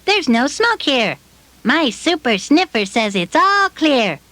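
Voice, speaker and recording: A woman's voice: sits high, big pitch swings, slow pace, pushed and bright, no room sound, exaggerated voice. A woman voicing Stan, a cheerful male puppet who sniffs for smoke and reassures children in a fire-safety puppet show. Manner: friendly, reassuring, talks straight to children.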